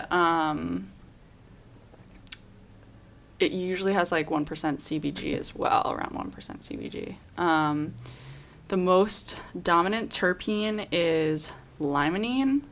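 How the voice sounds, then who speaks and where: A woman with a slightly low voice co-hosts a podcast. Her delivery is casual and easygoing, in an informal conversational style. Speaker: podcast co-host. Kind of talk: casual chat.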